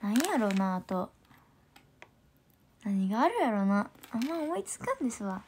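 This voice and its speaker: A woman with a Kansai accent chatting casually on a livestream, reading viewer comments, laughing often and slipping into soft whispers. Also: mid-range voice, very animated, normal speed, a little hiss or hum. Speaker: idol group trainee hosting a livestream.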